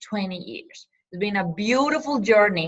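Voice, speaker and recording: A woman with a Colombian accent speaks at a fairly high pitch, bright and sharp in tone, her intonation lively. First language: Spanish. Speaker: motivational speaker. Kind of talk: interview on live webinar. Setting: live video webinar.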